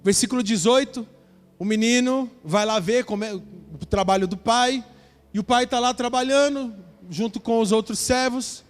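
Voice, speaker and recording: A male pastor preaching a sermon, telling a Bible story with acted dialogue and speaking straight to the congregation. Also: sits high. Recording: church hall with reverb.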